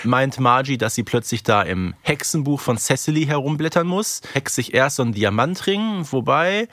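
A man's voice: mid-range voice, lively intonation, moderate pace, a bit bright, dry recording. Analytical male podcast co-host, dry recording. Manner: analytical, frequent rhetorical tag questions. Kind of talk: conversational episode recap and analysis.

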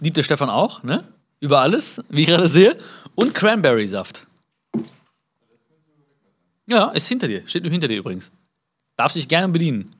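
A man giving a live motivational talk. He speaks to his listeners directly, acts out little dialogues and jumps high in pitch to stress a point. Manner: many fillers and restarts, acts out small dialogues.

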